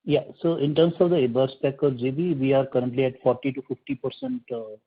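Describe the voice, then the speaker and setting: A husky man talks quickly over a dull call line. He sounds like an executive handing out short, factual business answers. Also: medium pitch, steady tone. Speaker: company executive.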